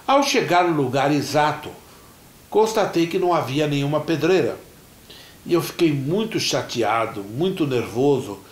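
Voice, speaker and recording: A middle-aged Brazilian man with a Brazilian Portuguese accent, a pastor telling a story in a sermon and acting out the dialogue. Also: on the high side. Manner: animated storyteller who acts out dialogue. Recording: roomy church echo.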